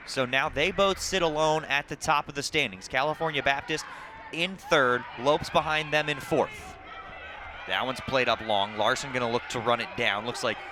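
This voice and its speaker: A man doing live TV soccer play-by-play, mixing short clipped calls of the action with statistical recaps. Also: medium pitch. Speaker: play-by-play sports commentator. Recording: clearly noisy outdoor broadcast with crowd ambience. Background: crowd and outdoor ambient noise.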